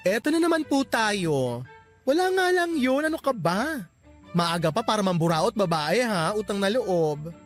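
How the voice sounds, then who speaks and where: A flamboyant gay young father in a radio drama. His delivery is campy and bantering, with pitch that leaps around as he protests, sassy but loving. Light music sits underneath. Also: very animated, normal speed. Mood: exasperated, defensive.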